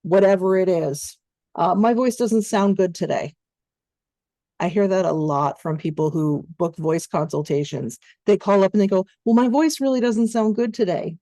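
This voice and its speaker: A woman coaching voice-over students in an online training session, explaining in a steady conversational way. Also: medium pitch, normal speed, no echo, clean studio sound.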